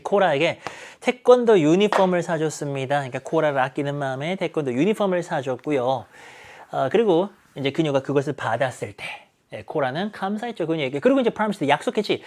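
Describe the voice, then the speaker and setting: Male lecturer, animated delivery, acts out dialogue for students. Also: a little high, brisk. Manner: lively, acts out characters' lines while explaining. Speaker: English teacher. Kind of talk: exam explanation lecture.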